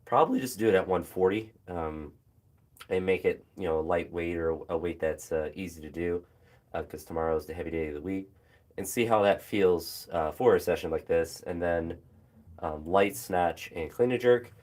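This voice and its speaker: A young man, a phys ed teacher, chatting casually about his training with a hoarse, phlegmy throat and many fillers and pauses. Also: low voice, darkish tone. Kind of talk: casual vlog chat while training.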